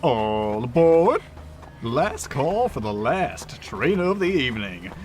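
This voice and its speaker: An actor playing a cheeky, teasing train conductor in an audio drama. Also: male voice, medium pitch, sing-song, takes it slowly, a little mellow, faint music behind. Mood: calling out. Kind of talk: naturalistic audio drama acting.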